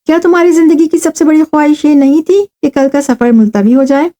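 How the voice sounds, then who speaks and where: A woman's voice: high voice, warm tone, pitched above the performer's own voice, natural voice. A woman voicing Angela, a playful young noblewoman who teases her friend. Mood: teasing. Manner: teasing, confiding.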